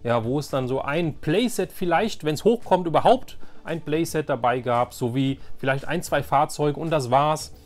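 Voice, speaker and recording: A man's voice: a little high, normal speed, hardly any pauses. A man hosting a casual show-and-tell collecting vlog, enthusiastic and rambling, often repeating himself. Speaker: host of a toy collecting channel.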